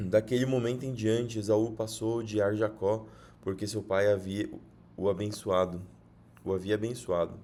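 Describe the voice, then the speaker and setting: A man with a Brazilian Portuguese accent reading Bible passages aloud in a measured way, now and then correcting a word. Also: lowish voice, fairly even intonation, mellow, slight background noise. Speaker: Bible reader.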